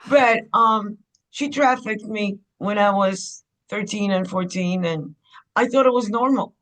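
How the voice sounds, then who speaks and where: A woman speaks as a podcast guest, her voice bright and forward. She tells her story candidly and at an unhurried pace. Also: mid-range voice, low-quality recording. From Ukraine. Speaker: guest, clinic owner. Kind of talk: podcast interview.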